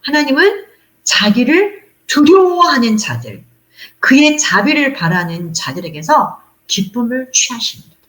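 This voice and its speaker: A woman's voice: a little high, measured pace, reverberant. A middle-aged woman missionary preaching a sermon, acting out the voices of the people in her stories. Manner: animated, acts out quoted voices of people and God.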